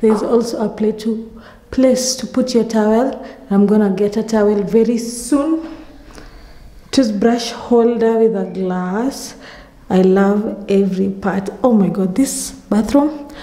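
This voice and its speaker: A woman speaks at a very slow pace. Room echo is audible. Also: fairly high pitch for a woman, fairly even intonation. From Kenya. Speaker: food and lifestyle vlogger. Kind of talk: house tour vlog. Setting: echoey large kitchen, home recording. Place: home room. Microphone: phone near.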